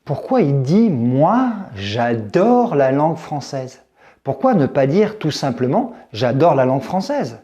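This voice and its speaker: A male French teacher speaking slowly and deliberately, his voice rising and falling a lot as he lays out each point. His tone is mellow and soft-edged, and he gives the example words in a clear, careful delivery. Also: medium pitch, highs cut off. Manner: slow, deliberate, lively intonation. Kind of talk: explaining grammar to the viewer.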